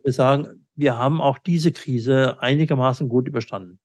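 Man, middle-aged, medium pitch, reflective interviewee, halting with mid-sentence pauses, dry sound. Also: darkish tone, no room sound. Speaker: interviewee, company owner and sales agent. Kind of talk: reflective business interview answers.

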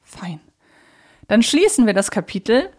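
A podcast host chats casually about fictional characters in a conversational discussion. Her slightly high voice is very animated, a little slow, and a little mellow.

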